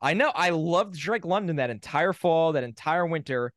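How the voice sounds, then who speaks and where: A young adult man co-hosting a podcast in a casual sports chat. He sounds opinionated and reels off facts in a steady run. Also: a little high, moderate pace, no echo, clean studio sound. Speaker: podcast co-host.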